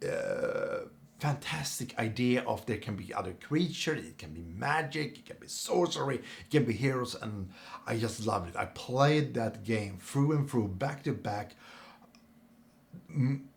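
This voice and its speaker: A middle-aged Swedish man with a Swedish accent, speaking English as a second language, casually introducing himself to camera with many pauses and fillers. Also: mid-range voice, vocal fry. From Sweden. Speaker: channel host.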